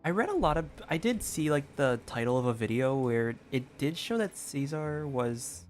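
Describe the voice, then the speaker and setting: A man's voice: medium pitch, lively intonation, normal speed. A man giving casual gameplay commentary, rambling as he thinks aloud. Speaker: gamer, streamer. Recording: game music behind.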